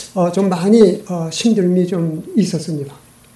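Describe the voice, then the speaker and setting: With noticeable noise in the background, a man talks fairly slowly. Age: 70s. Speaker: pastor. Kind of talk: sermon. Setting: church. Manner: conversational, interactive with congregation.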